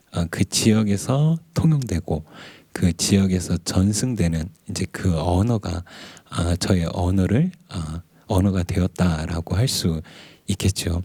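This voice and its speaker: A man with a very deep, low voice speaks at a very slow pace, somewhat breathy, with ordinary pitch variation and a dark, mellow tone in a dry, close sound with no echo. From South Korea, Jeolla (Jeongeup, North Jeolla). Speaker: novelist. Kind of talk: public lecture. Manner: hesitant, many fillers.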